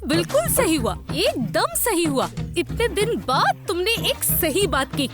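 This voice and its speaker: An actress dubbing a hard-of-hearing younger wife who nags and bickers. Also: female voice, very high-pitched, big pitch swings, measured pace, exaggerated voice. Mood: bickering. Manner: nagging, bickering. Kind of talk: Hindi dub of a comedic drama. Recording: music under the dialogue.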